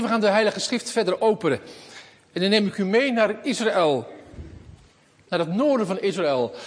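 A male pastor giving a sermon and reading scripture solemnly and deliberately in a church. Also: high-pitched, in a large hall.

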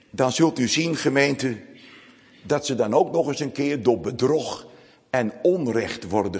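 A man preaching a sermon to his congregation, slow and solemn, with dramatic pauses. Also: medium pitch. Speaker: pastor. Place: church. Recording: long reverb of a church hall.

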